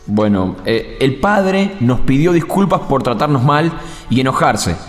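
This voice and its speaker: A man's voice: mid-range voice, sing-song, unhurried. An Argentine man playing a well-meaning young volunteer in a radio drama, apologetic and earnest as he explains himself. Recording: echoey hall reverb, music behind.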